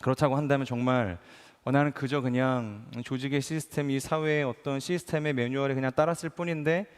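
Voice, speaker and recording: A man's voice: mid-range voice, fairly even intonation, fairly quick, clear, resonant tone. A middle-aged male pastor delivering a conversational sermon, full of rhetorical questions, who acts out the people he quotes. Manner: acts out quoted speakers in changed voices. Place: large church hall. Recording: long hall reverb.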